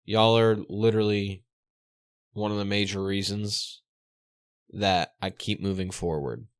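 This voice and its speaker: Laid-back, low-voiced male game master. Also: steady tone, unhurried, clean tone, dry recording, clean studio sound. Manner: laughs often, swears casually. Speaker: game master and podcast host. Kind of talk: narrating a tabletop game.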